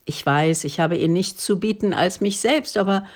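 Woman reading as a calm spiritual leader. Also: lowish voice, normal speed, lightly acted. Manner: calm, gentle. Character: calm, kind spiritual leader, grown man.

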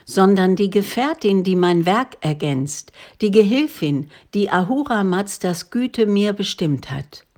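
Woman reading as a calm spiritual leader. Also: medium pitch, unhurried, few pauses, natural voice. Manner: calm, gentle. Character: calm, kind spiritual leader, grown man.

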